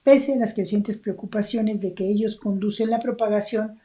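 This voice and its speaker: Female co-host, very dark mellow tone, calm news reading. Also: medium pitch, moderate pace.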